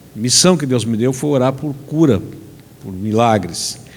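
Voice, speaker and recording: Noticeable background noise and audible room echo fill the clip. The speech moves at a fairly slow pace. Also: man. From southern Brazil, Rio Grande do Sul (Passo Fundo). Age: 60s. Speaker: pastor and city council president. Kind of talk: sermon.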